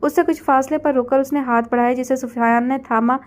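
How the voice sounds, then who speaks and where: A woman's voice: high voice, fairly even intonation, a little mellow. A woman reading a romance novel aloud, voicing every character's lines in her own voice. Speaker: novel reader.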